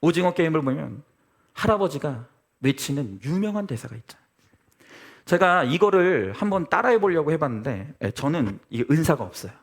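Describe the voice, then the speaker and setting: A man's voice: fairly high pitch, big pitch swings, fairly quick. A man pastor preaching a Sunday sermon in a church service, earnest and direct, often addressing the congregation with rhetorical questions.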